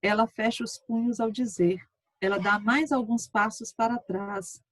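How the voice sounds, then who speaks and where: A woman teacher reading a session transcript aloud in a steady, measured way. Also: fairly high pitch, dry recording.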